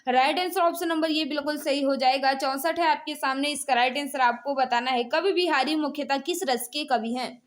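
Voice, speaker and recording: Female Indian teacher, high-pitched, for exam quiz lesson; instructional delivery that keeps prompting students to answer. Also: normal speed, hardly any pauses. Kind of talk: live exam quiz lesson, reading questions and giving answers.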